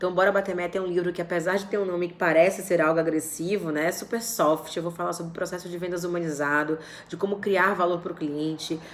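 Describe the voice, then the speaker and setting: Over noticeable background noise, a woman with a fairly low pitch talks at a fairly quick pace in a monotone, flat way. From Bahia, Brazil (Salvador). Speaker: sales expert and business owner. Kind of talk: live stream talk. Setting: live stream on social media. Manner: casual, chatty.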